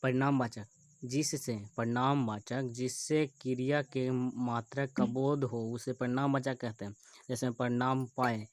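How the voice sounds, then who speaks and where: A man explains grammar rules at an unhurried pace, repeating each term and example as he goes. His voice stays flat, with little rise or fall. The recording is dry and close, with no room sound. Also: medium pitch, dry recording. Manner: repeats terms and examples slowly, thinking aloud. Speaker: teacher. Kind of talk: Hindi grammar lesson over screen recording.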